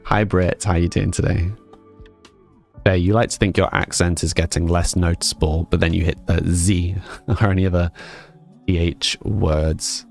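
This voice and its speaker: English guy streaming, low and a bit gravelly, chats loose and rambly with viewers. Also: moderate pace, soft background music. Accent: English, mixed northern and southern. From England, with family in Scotland. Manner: relaxed, rambling, answers chat aloud. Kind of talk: casual chat with stream viewers.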